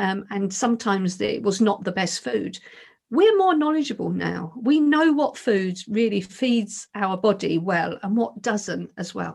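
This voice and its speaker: Lively, fairly slow speech from a woman of medium pitch, with vocal fry. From London, England. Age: 60s. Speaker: mental health professional turned network marketer. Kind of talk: interview conversation about mental health.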